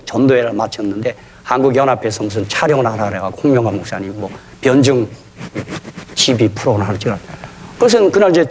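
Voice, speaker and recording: A man's voice: medium pitch, slight background noise. A man preaching a sermon as pastor in a church, telling stories animatedly and getting the congregation to repeat after him.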